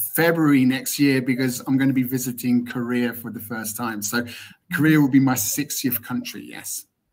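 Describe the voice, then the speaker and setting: In a British accent, a man talks at a medium pitch with fairly even intonation. His loudness swings a lot. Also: moderate pace. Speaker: English teacher. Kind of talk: webinar interview.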